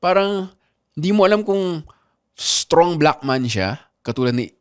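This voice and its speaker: Animated storytelling man, dry sound. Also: a little high, unhurried, clear, resonant tone, no echo. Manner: animated storytelling with frequent "di ba" asides. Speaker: podcast host. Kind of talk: casual comedic chat.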